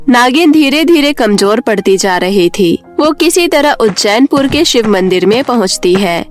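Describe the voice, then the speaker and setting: A woman's voice: on the high side, animated, unhurried, soft background music. A woman reading scripted storybook narration as a storyteller.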